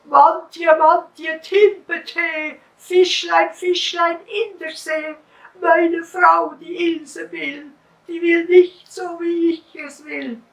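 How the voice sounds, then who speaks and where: A timid, bashful poor fisherman calls out to the sea in a high, singsong chant, as a Swiss German woman storyteller puts him on. His voice is raised and echoes in a roomy space, heard from a little distance. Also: slow, creaky, bright, forceful tone, exaggerated voice. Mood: pleading chant.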